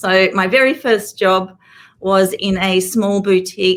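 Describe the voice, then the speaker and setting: A woman's bright, sharp tone in an Australian accent. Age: 40s. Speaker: marketing agency founder. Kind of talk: webinar presentation.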